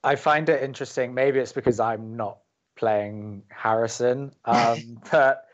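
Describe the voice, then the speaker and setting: A man's voice: mid-range voice, steady tone, unhurried. Thoughtful man chatting, slightly dull audio. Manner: thoughtful, hesitant, searching. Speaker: voice actor. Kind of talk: casual commentary chat.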